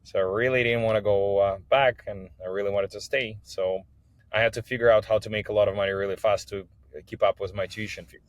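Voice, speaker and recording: A man's voice: lowish voice, steady tone, brisk, dry recording. A man from Kazakhstan, an English speaker telling his personal story as a podcast guest. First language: not English. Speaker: podcast guest, business owner.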